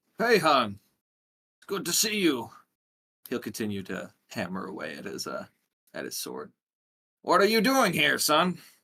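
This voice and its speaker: Doing a raspy put-on character voice at a high pitch, a man speaks at a moderate pace with long, frequent pauses and big swings in loudness. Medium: actual play. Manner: matter-of-fact, strict.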